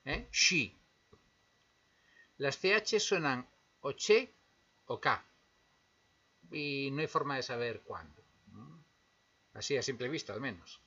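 A man teaches English pronunciation in an explanatory lesson, patiently repeating example words slowly and checking in with the listener through tag questions. His medium-pitched voice is animated, sharp and slightly rough. The recording is dull and lo-fi.

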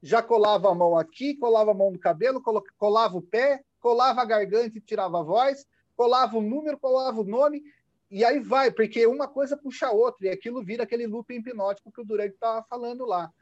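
A high-voiced hypnotherapist recounts cases from his practice, acting out the lines he uses with clients. The audio is dull and lo-fi, like a call, and very dry, with no room sound. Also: quick pace, no room sound. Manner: demonstrative, acts out what he says to clients. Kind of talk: sharing practice anecdotes.

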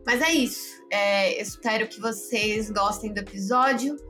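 A Brazilian woman with a Brazilian Portuguese accent, hosting a podcast and telling a story casually, animated, laughing and swearing freely. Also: medium pitch, normal speed, soft background music. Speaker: podcast host.

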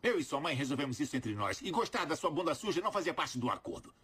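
A man's voice: fairly high pitch, big pitch swings, fast talker, a bit bright, slightly rough, heavily acted. An actor dubbing a film role as a stern, hardworking father harshly lecturing his teenage son. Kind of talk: dubbed film scene.

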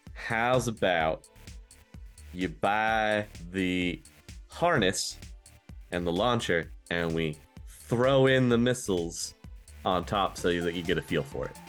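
A man acts out a black-market weapons salesman for a tabletop game. He is folksy and eager, stretching his words as he haggles over the goods, with soft music behind him. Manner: haggling, drawn-out sales pitch.

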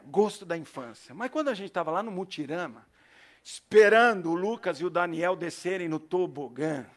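A middle-aged man with a Brazilian Portuguese accent, preaching a sermon as a pastor and telling stories, swinging between loud and hushed. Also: high-pitched. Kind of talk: storytelling sermon.

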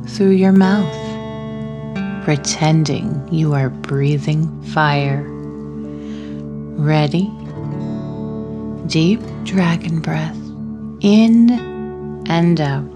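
A woman speaking as a sleep story narrator, leading children through relaxation in a soothing, unhurried way with gentle pauses. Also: low voice. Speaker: host of a children's relaxation podcast. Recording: music behind. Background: soft plucked guitar music.

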